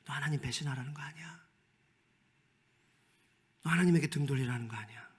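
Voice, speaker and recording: A man's voice: a little high, fairly quick, breathy edge, pitched below the performer's own voice. A man whispering as a sly coaxing devil. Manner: soft wheedling whisper. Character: coaxing devil tempting believers, male, sly. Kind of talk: whispered role-play.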